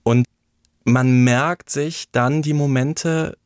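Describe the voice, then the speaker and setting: Brief: male actor, personal storytelling, mid-pitch, dry close sound. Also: fairly even intonation, drawn-out words, clear, resonant tone, no echo. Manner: reflective, tells stories with acted-out quotes. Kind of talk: candid personal conversation.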